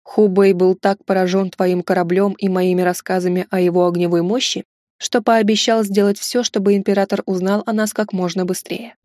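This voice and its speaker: A woman reading the part of a polite older Chinese courtier in an audiobook, in a courteous, measured tone. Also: mid-range voice, little pitch movement, dark tone, no room sound, studio quality, natural voice.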